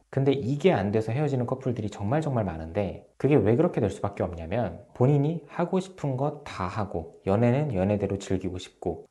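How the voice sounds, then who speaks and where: A man in his thirties, a relationship counselor, calmly giving advice to his viewers, with frequent filler sounds between phrases. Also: on the low side. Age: 30s. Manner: calm, steady explaining with frequent "uh" fillers. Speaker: relationship counselor and channel host. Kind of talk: advice talk to camera.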